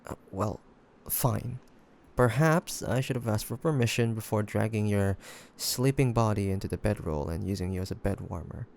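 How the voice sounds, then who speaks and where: In a roleplay audio drama, a man plays a grumpy, flustered demon hunter who secretly cares, speaking in a halting, defensive way. His voice is fairly low, gravelly and darkish. There's slight background noise.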